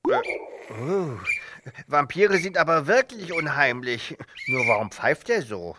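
A woman's voice: deep voice, expressive, unhurried, background noise. A woman voicing a sleepy, timid young male meerkat with a dry teasing manner in a children's cartoon. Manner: dry and teasing, easily frightened.

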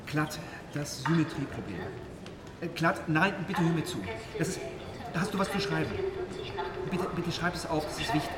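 An actor playing an anxious man in a radio drama, pleading urgently and haltingly, repeating himself. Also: fairly high pitch, over a noisy crowd, natural voice. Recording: roomy, very noisy ambient background.

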